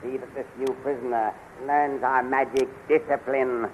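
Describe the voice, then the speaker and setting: An actor playing a domineering, impatient palace general barking orders in a 1930s radio serial. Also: male voice, mid-range voice, fairly even intonation, normal speed, lightly acted. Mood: menacing. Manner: commanding, impatient. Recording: muffled, noisy 1930s radio recording.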